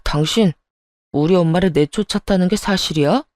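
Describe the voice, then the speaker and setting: Woman doing a lowered-voice husband. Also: moderate pace, a little mellow, no room sound, clean studio sound, close to an everyday voice. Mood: accusing. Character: defensive young married husband.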